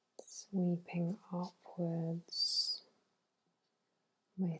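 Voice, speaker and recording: Soft-spoken and gentle in tone, a woman talks in a flat monotone at a fairly low pitch. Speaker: facial therapist giving a facial massage. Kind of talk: ASMR facial massage guidance. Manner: soft-spoken, gentle, slow-paced.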